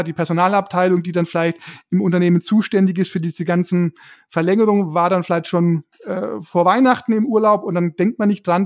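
A man from Germany explaining things as a podcast co-host in colloquial, casual talk with everyday examples. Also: sits high.

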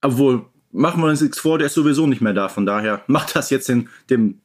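Guy on a fan podcast, casual explaining, average pitched voice. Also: brisk. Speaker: podcast host.

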